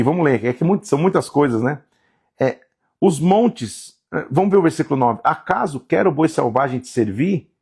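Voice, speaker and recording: A man preaching through a Bible chapter, his voice gravelly and husky. He reads verses aloud and exclaims with emotion, voicing God's words with rising emphasis. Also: medium pitch, darkish tone. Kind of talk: Bible reading and sermon.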